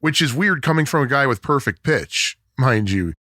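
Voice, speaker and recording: A man with a bass voice co-hosting a podcast, chatting in a jokey, animated way. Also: normal speed, no echo, studio quality. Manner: animated, jokey, swoops in pitch. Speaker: podcast co-host. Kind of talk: casual chat.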